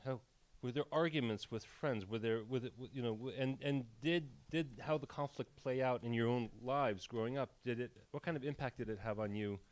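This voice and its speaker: A man moderating a live panel on stage, speaking haltingly and often rephrasing his questions as he goes. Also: medium pitch. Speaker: moderator, president of a peace-building organization. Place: on stage at a film premiere event.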